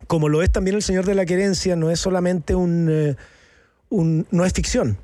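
Slangy Chilean actor, dry studio sound. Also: male voice, sits high, fairly even intonation, normal speed, mellow, dry recording. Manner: casual, slangy, many fillers and tag questions. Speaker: actor interviewed as a guest. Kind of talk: candid conversational interview.

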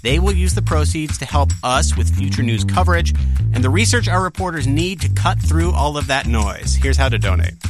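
A man's voice: on the high side, expressive, fairly quick, music in the background. A man, a radio host, reading a scripted promo.

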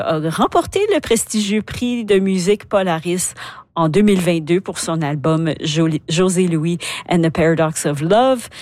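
A woman's voice: mid-range voice, a little mellow, no echo. A woman presenting radio news, reading a script.

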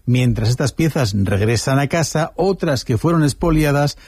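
A man reading introductions to news items in a brisk, formal way. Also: mid-range voice, animated, darkish tone, breathy edge, no echo, clean studio sound. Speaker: radio news presenter.

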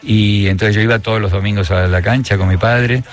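A man with an Argentine accent, a guest on a radio show, talking in a reflective, measured way with frequent pauses and restarts. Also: fairly low pitch, fairly even intonation, faint music behind. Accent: Argentine Spanish. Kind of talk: relaxed radio conversation.

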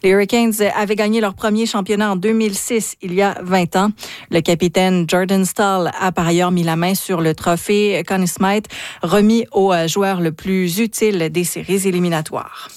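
A woman reads the morning radio news in a steady, measured voice. Her sound is close and dry, with no room around it. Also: mid-range voice, no room sound. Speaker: news anchor. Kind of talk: radio newscast reading.

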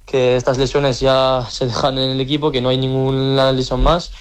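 A young handball player from the Country, answering interview questions casually, with lots of hesitant fillers. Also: male voice, medium pitch, flat delivery, moderate pace, smooth. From French Basque Country.

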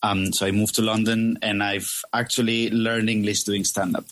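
A man's voice: fairly low pitch, flat delivery, normal speed, fairly bright tone, no echo. A man from Spain with a Spanish accent, whose first languages are Catalan and Spanish, chatting as a stand-up comedian guest, full of "like" and "um". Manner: chatty, many "like" and "um" fillers. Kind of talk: casual phone interview.

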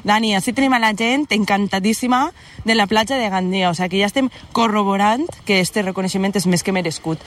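A woman reporter doing brisk, upbeat live interviews on a beach, often saying "very good" between answers. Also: mid-range voice, fairly bright tone. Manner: brisk, upbeat, repeats "muy bien". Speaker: field reporter. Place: outdoors on a beach. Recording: distant, faint outdoor noise.

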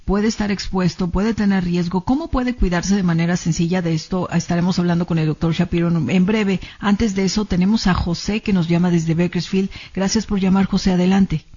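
High-voiced male radio host. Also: steady tone, fairly quick, few pauses, a little mellow. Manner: smooth, guiding questions to the guest. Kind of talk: hosting a health call-in show. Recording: dull lo-fi radio sound.

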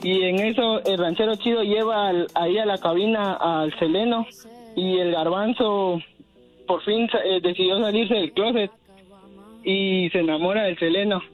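A man's voice: high voice, narrow, tinny audio. A man calling a radio comedy show, hesitant and full of fillers. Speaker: caller. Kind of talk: casual phone-in chat.

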